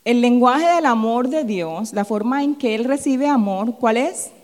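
A woman's voice: a little high, animated, unhurried, darkish tone. A woman preaching a sermon who keeps asking the audience questions and checking in with them. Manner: asks the audience frequent rhetorical questions with a tag "¿sí?". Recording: long hall reverb.

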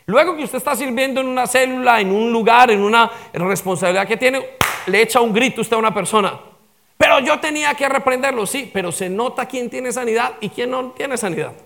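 A pastor preaching a sermon, firing rhetorical questions at the congregation and calling for amens. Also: male voice, very high voice, fairly quick, gravelly, a bit bright.

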